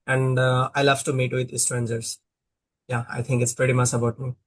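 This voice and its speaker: A Bangladeshi man, a small YouTuber, acts as conversation partner in a casual practice chat, asking questions with many fillers and restarts. His voice is medium-pitched, monotone, somewhat bright, and at normal speed.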